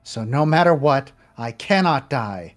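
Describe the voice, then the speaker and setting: A composed young maid read by a streamer in a video game, speaking in formal, solemn, stiff sentences. The voice sits lower than the reader's own and rises and falls widely. Faint music runs underneath. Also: lively intonation, a little slow, lightly acted. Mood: resolute. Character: composed young maid, woman, desperate to survive. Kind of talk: dramatic reading of game dialogue.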